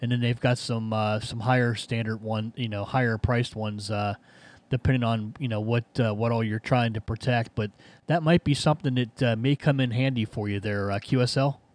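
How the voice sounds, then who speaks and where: Male radio hobbyist, mid-pitched and helpful, casual explanatory chat with hesitations, dry close sound. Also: steady tone, moderate pace, a little mellow, no echo. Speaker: amateur radio operator.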